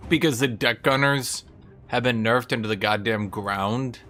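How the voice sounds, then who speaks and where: A man's voice: medium pitch, a little slow, pushed and bright, soft background music. A man giving casual, blunt and sweary live commentary on a strategy game as he streams to chat.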